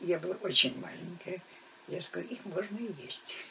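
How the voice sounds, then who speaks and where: Her pace is moderate, and the woman's pitch varies in an ordinary way. Background noise is noticeable. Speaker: memoirist, writer's daughter. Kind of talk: interview reminiscence.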